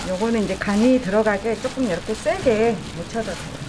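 A middle-aged woman talks through her cooking in a casual, friendly way while working at a restaurant kitchen counter. Her voice sits at an ordinary middle pitch. Kitchen noise carries clearly through the recording. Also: brisk. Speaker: restaurant cook.

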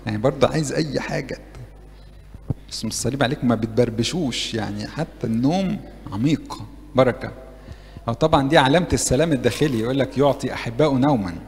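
Lively Egyptian priest in echoing hall. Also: male voice, mid-range voice, fast talker, creaky. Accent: Egyptian Arabic. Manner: lively, asks the audience questions and acts out prayers. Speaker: priest preaching to university youth. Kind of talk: interactive sermon. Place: church meeting hall.

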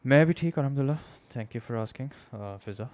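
A young man with a Pakistani accent teaches maths in a casual live stream, talking very fast in a mid-range, slightly mellow voice. He keeps checking in with "okay?" and moves between English and Urdu. He sits at a desk in a small indoor room, close to a boom-arm mic.

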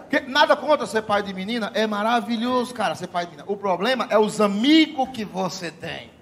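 High gravelly middle-aged comic man. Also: a little fast. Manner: profane, animated, talks straight to the crowd. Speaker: stand-up comedian. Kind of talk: stand-up comedy routine. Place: stage before a live audience.

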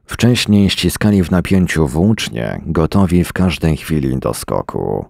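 A man reading a short story aloud in a measured, dramatic way. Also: rumbling low, very animated, creaky, darkish tone, dry recording, clean studio sound. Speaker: reader. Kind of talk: scripted narration of a short story.

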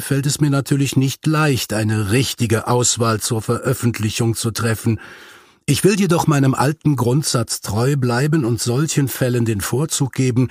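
A man's voice: medium pitch, breathy edge, dry recording, clean studio sound. A man reading a detective story aloud as scripted audiobook narration. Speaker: audiobook reader.

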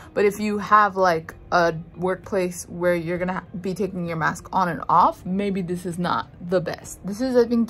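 A woman beauty vlogger chatting casually through a product review, with slang and playful asides. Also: mid-range voice.

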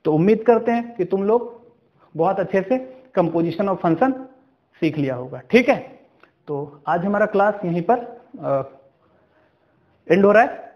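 A man teaches a maths lesson in speech, moving slowly and stopping to check that his students follow. His voice sits high for a man. The recording sounds muffled and lo-fi. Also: expressive. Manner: slow, step-by-step, checks understanding with questions.

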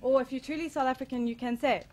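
A woman gives casual live instructions to a group. Her voice sits slightly high. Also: steady tone, fast, crowd noise.

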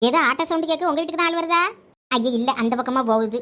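A woman's voice: high-pitched, very fast, noisy background. A woman with a Thoothukudi Tamil accent, fretting melodramatically as she performs a village comedy skit. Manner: fretful, melodramatic worrying. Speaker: comedy sketch creator playing several villagers.

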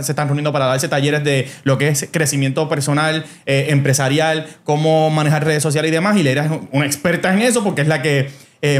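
A man with a Puerto Rican accent, hosting a podcast and telling stories in casual chat, dropping English words and restarting often. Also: a little high. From Puerto Rico. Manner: animated storyteller, mixes English words, many restarts. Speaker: podcast host.

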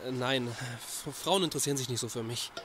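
A man's voice: mid-range voice, brisk, noisy background, close to an everyday voice. An actor playing a frightened young man in a radio play, hesitant and then panicking. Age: young adult.

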